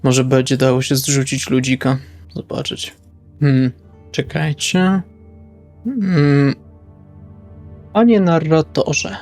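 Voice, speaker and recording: A man's voice: a little high, steady tone, slow pace, long pauses, a little mellow. A man playing in a tabletop role-playing session, talking casually and partly in character. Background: background music.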